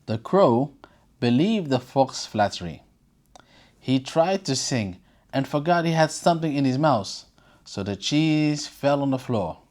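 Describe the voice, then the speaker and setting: A storyteller reading aloud for children and chatting casually to viewers in an expressive, informal, encouraging way. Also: mid-range voice, measured pace. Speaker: storyteller and presenter.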